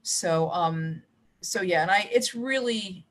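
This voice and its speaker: A woman's voice: on the low side, takes it slowly. A middle-aged or older American woman chatting casually as an interview guest, telling stories with frequent asides. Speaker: mystery author, guest. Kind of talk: casual interview chat about writing.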